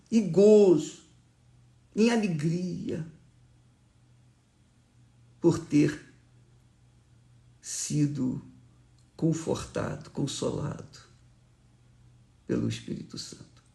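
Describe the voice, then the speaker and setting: A man delivers a morning devotional sermon as a bishop. His delivery is unhurried and reflective, and a gravelly edge runs through his voice. He drops into soft murmured prayers now and then. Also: high voice.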